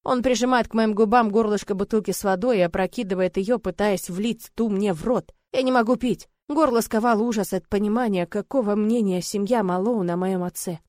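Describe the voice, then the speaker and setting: A woman's voice: medium pitch, a little fast, few pauses, darkish tone, no echo. A woman narrates an audiobook in the first person. Her reading is tense and emotional, with a mid-range voice. The recording is dry and close.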